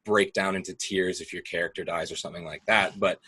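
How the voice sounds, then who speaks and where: Young man, very low voice with a bright edge, easygoing explainer on a video call. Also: fast, slightly rough. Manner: relaxed, explanatory, hedging with fillers. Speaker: guest speaking about gaming. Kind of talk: casual video call discussion.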